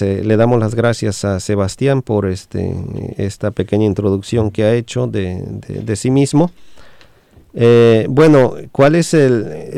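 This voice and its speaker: A man hosting a radio talk, interpreting, halting and full of fillers. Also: fairly low pitch, gravelly, mellow, clear, resonant tone, no echo. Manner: many fillers and restarts, slow and halting.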